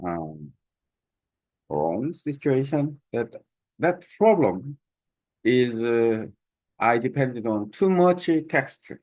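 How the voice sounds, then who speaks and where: Slow, halting man with a Korean accent. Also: medium pitch, no room sound. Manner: halting, many pauses and fillers. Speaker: language learner sharing his method. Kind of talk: unscripted talk to camera.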